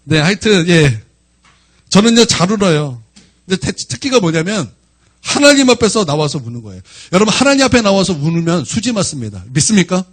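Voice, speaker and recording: A man in his forties, a pastor preaching a sermon, telling personal stories with emotional swings between loud outbursts and quiet asides. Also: sits high, big pitch swings, a little fast.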